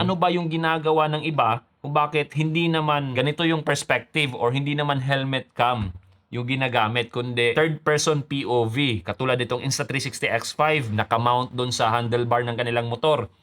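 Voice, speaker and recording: A man's voice: medium pitch, a bit bright. A man with a Filipino accent explaining gear step by step in a casual, conversational vlogger style, mixing in English phrases. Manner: conversational, switches between Tagalog and English. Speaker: motovlogger and presenter.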